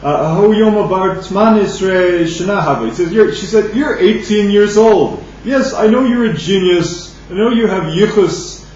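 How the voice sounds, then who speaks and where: Teaching his daily Talmud lesson, this man speaks in a high-sitting, darkish voice, haltingly starting phrases over as he moves from Aramaic text to English explanation. The sound is distant, dull and lo-fi, coming from a very echoey room with faint hum.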